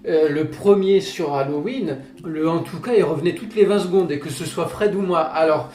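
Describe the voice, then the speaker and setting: A man co-hosting a podcast, speaking in a measured, articulate, slightly wordy way. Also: on the high side, a little mellow. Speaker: podcast co-host and editor. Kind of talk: casual podcast chat. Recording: echoey room.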